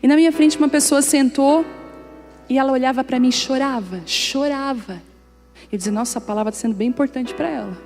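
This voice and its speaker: Woman pastor, warm dark tone, lively humorous sermon told as stories to a church crowd. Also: high voice, a little fast, faint music behind. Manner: lively, humorous, acts out dialogue in anecdotes. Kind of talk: storytelling sermon. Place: church service before a congregation.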